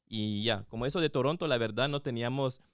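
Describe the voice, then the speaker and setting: A man's voice: medium pitch, quick pace, clear, resonant tone, no echo, studio quality. A man co-hosting a casual interview, speaking Spanish mixed with bits of English. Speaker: podcast co-host.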